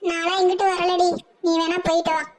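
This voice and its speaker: Bossy old cartoon granny, high shrill voice, scolds and nags. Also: female voice, flat delivery, fairly quick. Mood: scolding. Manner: scolding, nagging, rustic. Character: older grandmother, bossy and scolding mother-in-law.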